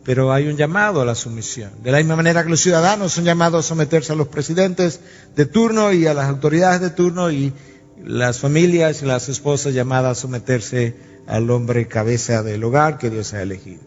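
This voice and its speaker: A man's voice: a little high, brisk, faint music behind. A man preaching a sermon to a congregation, a storyteller who acts out dialogue and sound effects. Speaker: pastor. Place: church sanctuary. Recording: dull lo-fi recording in a reverberant hall.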